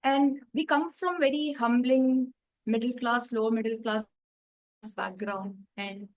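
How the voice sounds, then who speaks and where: An Indian woman in her thirties speaks with a slightly high voice and a clear Indian English accent. She tells a personal story in an earnest, reflective way and often restarts her sentences as she goes. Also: steady tone, unhurried, poor audio. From Calcutta, India. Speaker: educational speaker at a club meeting.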